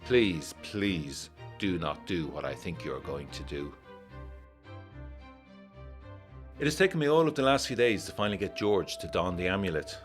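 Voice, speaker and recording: An actor playing an indignant, worried 1920s gentleman, reading his letter in formal period diction with measured, dramatic emphasis for a gothic audio drama. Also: deep voice, lively intonation, over music. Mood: worried, brooding.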